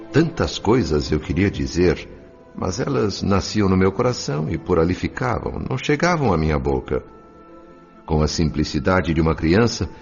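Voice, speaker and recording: A low, solemn male voice telling a story as a gentle, reverent spirit. The delivery is literary and full of feeling, in radio drama style. Music plays clearly behind a slightly dull recording. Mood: tender, reverent.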